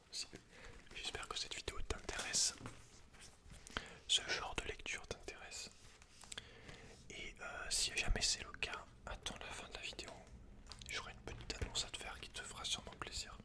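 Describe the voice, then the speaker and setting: A man whispering in breathy ASMR style, reading aloud with informal, slangy asides, close to the microphone. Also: normal speed, pauses often. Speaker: host of an ASMR channel.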